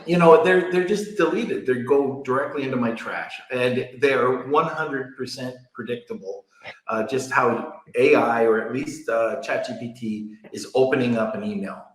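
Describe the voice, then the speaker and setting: A man's voice: mid-range voice, moderate pace. A man hosting a podcast, chatting casually, joking and laughing at himself. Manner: joking, laughs easily, self-deprecating. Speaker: podcast host. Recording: roomy echo.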